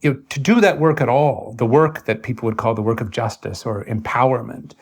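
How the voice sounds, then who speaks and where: A man speaking as an interviewer in an intellectual conversation, earnest and deliberate, often halting and repeating phrases. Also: medium pitch, breathy edge. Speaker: interviewer in a long-form conversation.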